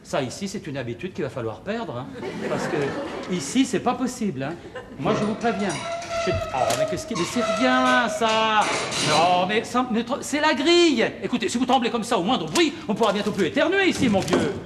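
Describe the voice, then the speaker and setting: A man's voice: sits high, sing-song, normal speed, over loud music, a loud crowd. A flustered lovesick man. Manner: stammering, fussy, talks to himself. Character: flustered, excitable lovesick man fussing over a date. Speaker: lead actor in a televised stage play. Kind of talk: 1980s French boulevard stage comedy acting. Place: theatre stage. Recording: hissy old television broadcast recording.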